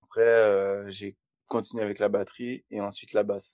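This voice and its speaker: Fairly low-pitched, a man talks at a moderate pace over a quiet background, the sound dry and close with no echo. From Guadeloupe (Saint-Claude). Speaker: zouk singer-songwriter. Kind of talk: interview. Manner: hesitant, many fillers.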